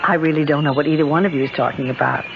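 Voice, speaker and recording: An actress playing a gentle, guarded disabled woman in a 1970s radio drama, speaking politely and with measured sympathy. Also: low voice, fairly even intonation, vocal fry, music in the background. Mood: gentle, sympathetic. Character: gentle, guarded woman whose hands are paralyzed. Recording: noisy, dull vintage radio broadcast.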